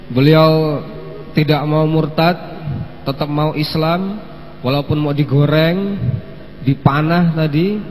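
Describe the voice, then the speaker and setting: A man hosting a live-streamed children's story lesson, gently coaxing the kids to answer and sprinkling in Arabic phrases. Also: a little high. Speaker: children's religious teacher and host. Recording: long hall reverb with faint mains hum.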